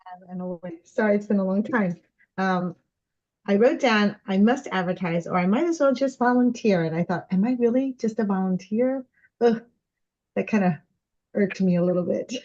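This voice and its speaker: A woman's voice: mid-range voice, moderate pace, darkish tone, lo-fi sound. A middle-aged woman taking part in a group call, casually and reflectively sharing from her notes. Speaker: participant in a group coaching call.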